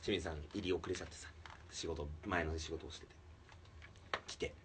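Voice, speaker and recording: A man who hosts a comedy podcast tells a story in casual chat. He acts out the quotes and swings from loud outbursts to hushed asides. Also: low voice, steady tone, moderate pace, far from the mic, noisy background.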